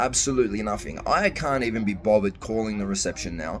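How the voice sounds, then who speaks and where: Music plays in the background as a man with an Australian accent talks at a moderate pace. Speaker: travel vlogger. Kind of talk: casual talk to camera.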